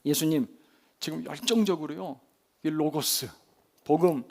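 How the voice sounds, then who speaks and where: A man, a pastor, preaching a sermon in a church service, telling the story vividly, asking the congregation questions and swinging between loud and quiet. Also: fairly high pitch, a little slow, creaky. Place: church sanctuary during a service.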